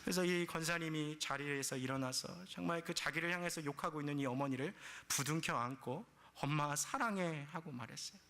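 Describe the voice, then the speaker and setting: A man's voice: on the high side, a little fast, hardly any pauses, pushed and bright, in a large hall. A male pastor preaching a sermon, telling a story at length and acting out the quotes, with many small filler words.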